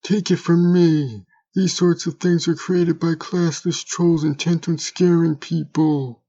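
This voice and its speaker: A man acts out an impatient, pompous snob in an audio drama. His voice is fairly high and soft-edged, sarcastic in delivery. The recording is slightly dull. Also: flat delivery, slow. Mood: smug. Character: sarcastic, snobbish man, self-important and impatient.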